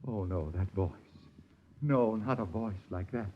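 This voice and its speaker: An actor playing a grandiose, easily flustered movie studio boss in a vintage radio drama. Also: male voice, on the low side, a little slow, phone-quality sound, slight background noise, lightly acted. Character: pompous excitable middle-aged male studio boss.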